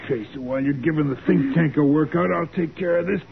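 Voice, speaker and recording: Gravelly radio gangster henchman. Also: fairly high pitch, fast talker, a crowd in the background. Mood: menacing. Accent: American. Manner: slangy, thuggish, chuckling. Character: crude, eager male gangster henchman, coldly cruel. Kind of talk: 1940s radio crime drama acting. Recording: muffled, phone-like vintage radio with background hubbub.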